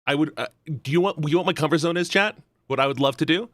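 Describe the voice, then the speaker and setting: A man's voice: fairly high pitch, fast talker, fairly bright tone, dry recording, clean studio sound. A man talking casually on a livestream, rambling earnestly and bluntly and repeating himself for emphasis. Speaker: live streamer.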